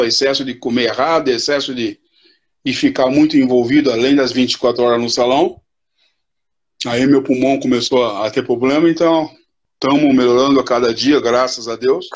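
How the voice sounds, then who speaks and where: Older male coach, husky voice, thoughtful and slow to the point, muffled stream audio. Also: mid-range voice. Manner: reflective, unhurried, with repeated "né?". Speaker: futsal coach, guest. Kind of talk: casual live interview chat.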